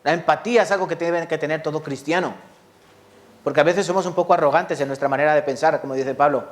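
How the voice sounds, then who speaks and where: Guy preaching a sermon, kinda high voice, keeps asking the church questions and talking right at them. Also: fast talker. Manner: rhetorical questions, lively rises and drops; addresses congregation directly. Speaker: pastor.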